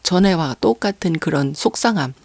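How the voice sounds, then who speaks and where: A woman pastor preaching a sermon, earnestly posing rhetorical questions to the congregation and pausing on fillers between phrases. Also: deep voice, lively intonation, a little mellow, dry recording.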